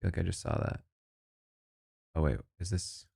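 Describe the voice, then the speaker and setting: Man, very low voice, gravelly, casual commentary, thinking aloud. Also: steady tone, normal speed, dark tone. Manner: musing, thinks aloud, asides. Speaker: streamer reacting to reality TV news.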